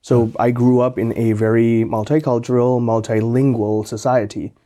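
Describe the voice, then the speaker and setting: Male guest, mellow voice. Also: mid-range voice, little pitch movement, normal speed. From Malaysia. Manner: articulate, explanatory, with repeated starts. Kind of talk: interview storytelling.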